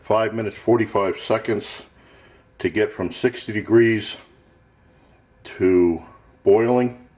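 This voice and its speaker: A man's voice: lowish voice, slow, pauses often, a little mellow. A man casually narrating a camping stove test off camera in a cluttered home workshop, thinking aloud in a plain, matter-of-fact way. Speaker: gear tester.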